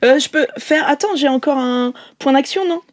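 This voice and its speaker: A woman joins an improvised tabletop game as a player. Her voice is on the high side, captured close and dry. Her delivery is casual and conversational. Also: normal speed, no echo.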